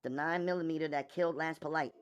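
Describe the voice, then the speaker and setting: A woman's voice: deep voice, steady tone, clean tone, natural voice. A woman playing an intense, blunt, probing female defense attorney in an audiobook, speaking emphatically and insistently. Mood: brisk, businesslike. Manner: emphatic, insistent, rapid-fire delivery. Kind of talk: audiobook character dialogue.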